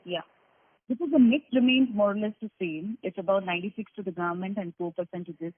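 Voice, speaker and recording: A woman's voice: mid-range voice, fast, breathy edge. Woman analyst over a phone line. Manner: probing, detailed, numbers-focused. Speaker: analyst asking questions. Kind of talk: earnings call questioning.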